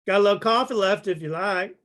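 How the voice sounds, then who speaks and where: A man's voice: sits high, fairly quick, a bit bright. A man reading the part of an obliging, curious restaurant keeper in a drama, folksy and hospitable. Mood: friendly, curious. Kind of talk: screenplay table read.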